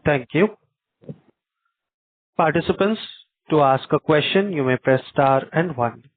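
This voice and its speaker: A man's voice: a little high, unhurried. Formal male call operator, tinny line. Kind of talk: formal scripted announcements. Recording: tinny telephone conference line.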